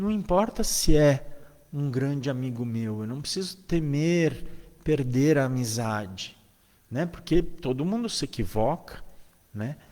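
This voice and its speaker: Soft-spoken, a man talks at a fairly slow pace in a fairly high, dark and mellow voice with lively intonation. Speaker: spiritist lecturer. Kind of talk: lecture.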